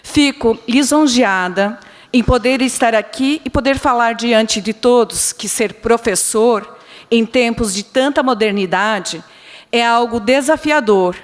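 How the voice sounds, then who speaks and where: A woman's voice: fairly high pitch, a little slow. Middle-aged woman, formal and poised. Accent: Brazilian Portuguese. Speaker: honoured teacher giving a thank-you speech. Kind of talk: formal acceptance speech. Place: council chamber. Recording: long reverb of a council chamber.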